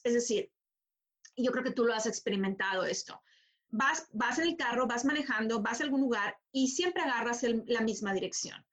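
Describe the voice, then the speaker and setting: A woman giving a motivational coaching talk, emphatic and repeating phrases for stress. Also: high voice.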